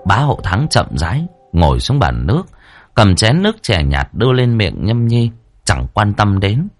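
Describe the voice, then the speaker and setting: A male storyteller with a lowish voice that swoops widely through each sentence. He narrates the tale dramatically, with soft music running underneath. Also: normal speed. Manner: expressive, rising and falling delivery. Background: faint background music.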